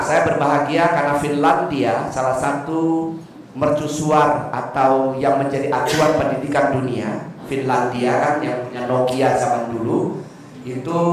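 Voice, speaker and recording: A man's voice: mid-range voice, a little hiss or hum. A man over fifty giving a joking Buddhist sermon in a temple hall, often asking the audience for agreement. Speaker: Buddhist Dhamma speaker. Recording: echoey hall, distant mic.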